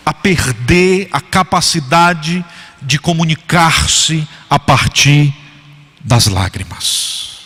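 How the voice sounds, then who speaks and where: A man's voice: mid-range voice, fairly bright tone. A man pastor preaching a sermon, telling humorous stories and putting questions to the congregation. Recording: church hall reverb.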